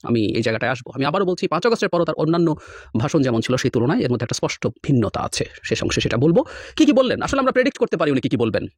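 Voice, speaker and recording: Animated, fast-talking male commentator. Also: mid-range voice, dry recording, clean studio sound. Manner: animated and scornful, mixes in English phrases. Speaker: political commentator. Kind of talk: spoken commentary.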